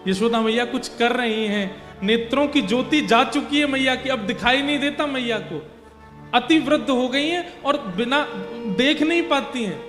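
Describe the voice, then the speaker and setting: A man voicing a gentle male devotee messenger who speaks softly and earnestly. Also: very high-pitched, moderate pace. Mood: tender. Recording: echoey hall with faint music.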